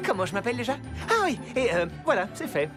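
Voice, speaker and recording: Animated, bumbling cartoon dad. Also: male voice, very high-pitched, fast, over music. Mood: eager, bumbling. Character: bumbling, good-natured cartoon dad, a policeman. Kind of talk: French-dubbed cartoon acting.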